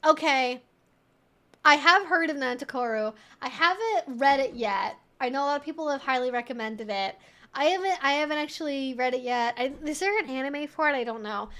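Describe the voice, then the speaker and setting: With a high-pitched, somewhat bright voice and a slightly quick pace, a livestream host and kink educator runs a relaxed Q&A. She reads items out, reacts and muses aloud, rambling with amusement.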